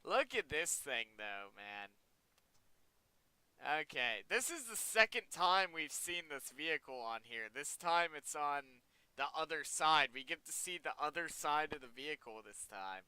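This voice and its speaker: Young male host, casual reaction commentary, bright lively voice, smooth and dry. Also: a little high, measured pace, no room sound, poor audio. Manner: rambling, chatty, repeats himself. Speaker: video host.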